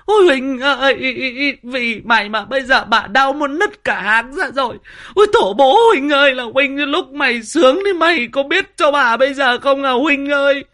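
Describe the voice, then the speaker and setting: A man's voice: very high voice, normal speed, bright, forceful tone, voice pushed up. A man voicing a foul-mouthed young village woman screaming curses while in labor. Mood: shrieking, cursing. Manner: shrieking curses.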